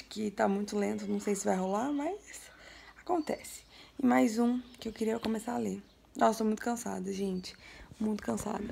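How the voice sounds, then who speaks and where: Young woman, book vlogger, fairly high voice, gravelly, faint background noise. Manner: chatty, emotional, laughs and cries with joy. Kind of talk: casual reading vlog. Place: home, her bedroom.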